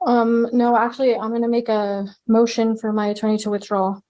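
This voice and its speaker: A female defendant answers briefly and politely in a courtroom recording. Her voice is fairly high, very mellow and flat in intonation. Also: brisk. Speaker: defendant representing herself.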